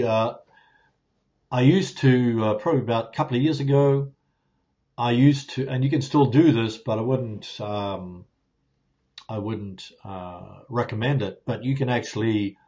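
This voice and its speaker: Sitting in a home studio full of plants, softboxes and a ring light, a Kiwi YouTuber loosely works through viewer questions in a casual live Q&A. He's relaxed and rambling, with lots of ums and restarts. His mid-range voice comes through a phone's clip-on lapel mic and sounds slightly dull and lo-fi.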